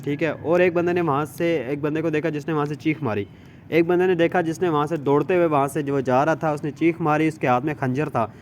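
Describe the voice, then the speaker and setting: A man with a Pakistani accent teaches in a slightly high voice. He explains step by step like a lecturer, repeating himself and checking in often. There is faint ambient noise behind him. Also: fairly even intonation, brisk. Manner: repetitive, explains with everyday examples and frequent check-ins. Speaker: law lecturer. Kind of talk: explanatory lecture, reading out English text and explaining it informally.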